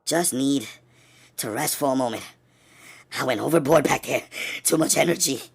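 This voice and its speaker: A man voicing a calm, knowing angelic woman. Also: normal speed, creaky, husky. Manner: calm, knowing, low-key. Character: weary mysterious woman with angelic powers. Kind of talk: audiobook character voice.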